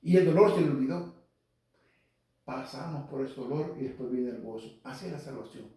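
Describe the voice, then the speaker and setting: In a very reverberant hall, recorded from afar, a lay Catholic preacher delivers Spanish Bible teaching at a moderate pace. His medium-pitched voice has a dark tone, and he quotes scripture and names listeners as he speaks.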